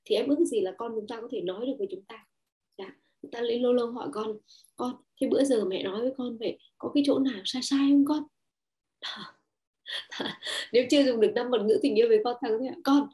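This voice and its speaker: A woman speaks to an online audience about family and love. Her voice sits a little high with a mellow, warm tone. She hesitates often with fillers and lifts her voice when acting out what people say. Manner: hesitant, many fillers, acts out quoted lines in a raised voice. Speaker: parenting and relationship speaker.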